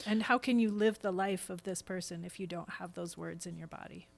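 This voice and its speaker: A woman's voice: on the low side, fairly quick, creaky. A middle-aged woman speaking as a podcast guest, explaining things earnestly in a conversational way. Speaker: podcast guest, stage actor. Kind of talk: conversational interview.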